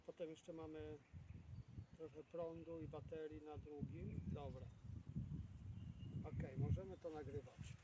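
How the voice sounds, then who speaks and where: A man's voice: fairly high pitch, fairly even intonation, unhurried, pauses often. A man, a fishing vlogger, talking casually to himself outdoors in short, rambling fragments. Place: outdoors at a fishing spot, windy. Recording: noisy outdoor recording, far from the mic.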